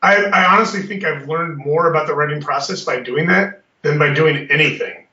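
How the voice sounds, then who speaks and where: A man being interviewed as a guest author chats casually, stumbling and restarting as he goes. His voice is fairly high and sharp, and he speaks briskly. The audio is roomy, distant and lo-fi.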